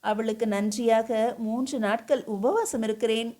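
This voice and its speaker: A woman's voice: a little high, fairly even intonation, measured pace, mellow, close to an everyday voice. A woman voicing a humble, devoted queen who speaks earnestly and pleadingly, in an audiobook reading. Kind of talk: audiobook character voice.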